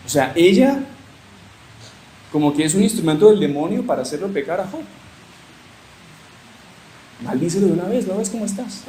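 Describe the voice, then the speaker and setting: Uruguayan man teaching scripture, echoey room. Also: on the high side. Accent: Uruguayan Spanish. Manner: lively storyteller with joking asides. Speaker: religious formation speaker. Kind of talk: teaching talk retelling scripture. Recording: echoey room with faint hiss.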